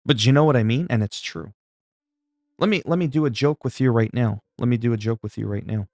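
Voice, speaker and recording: On a casual, rambling livestream, a Canadian man whose first language is French swears freely and makes salty, self-deprecating remarks. He speaks fairly quickly at medium pitch, a little mellow, in a dry recording.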